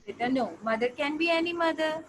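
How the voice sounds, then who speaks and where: In a very noisy recording, a woman with a high-pitched voice and a South Asian accent teaches English briskly. Her grammar lesson is interactive and instructive, as she repeats phrases and checks that her pupils understand.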